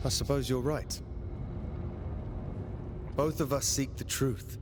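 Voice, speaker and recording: A man's voice: mid-range voice, steady tone, takes it slowly, noisy background, natural voice. A man playing a grave, resolute young warrior hero in a video game, speaking in an earnest, terse way. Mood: subdued. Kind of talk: video game cutscene acting.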